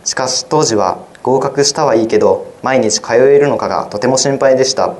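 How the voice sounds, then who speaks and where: High school boy reading his own essay on air; plain, steady delivery at an ordinary pitch. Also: moderate pace. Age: teens. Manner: plain, even-paced reading. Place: radio studio.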